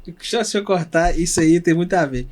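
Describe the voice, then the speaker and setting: A man with a Brazilian Portuguese accent hosting a podcast, chatting in a relaxed way and telling personal anecdotes. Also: fairly high pitch, normal speed. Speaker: podcast host. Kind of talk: casual conversational interview.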